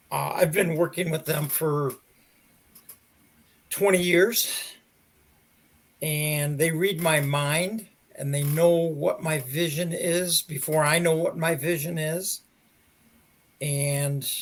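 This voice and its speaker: Theater director, male, mature. Unhurried, fry-heavy voice on the higher side, thoughtful interview delivery. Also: a bit bright. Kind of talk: conversational interview answers.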